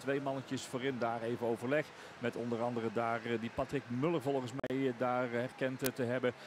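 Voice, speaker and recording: The pace is moderate, and the pitch moves in an ordinary way. This is an unremarkable speaking voice. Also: man. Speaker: cycling commentator. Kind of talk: live commentary.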